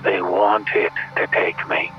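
Man acting a low, haunted doomed caller, muffled line. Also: level tone, measured pace, slightly rough, exaggerated voice. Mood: fearful, haunted. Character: doomed, frightened male emergency caller, eerily resigned. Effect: phone line filter. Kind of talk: horror audio drama acting. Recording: muffled, noisy phone-call sound.

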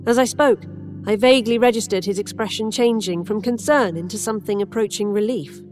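A woman narrating a horror audio drama in first person, measured and introspective. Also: mid-range voice, a little mellow, faint music behind. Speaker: narrator and lead character.

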